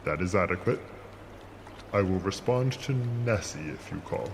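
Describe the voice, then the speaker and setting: Casting: male actor as grave, aloof sea creature, formal diction, very low register, rushing water behind. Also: animated, noisy background. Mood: aloof, conceding. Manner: formal, measured, stilted speech. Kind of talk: audio drama acting. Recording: loud watery ambience behind voice.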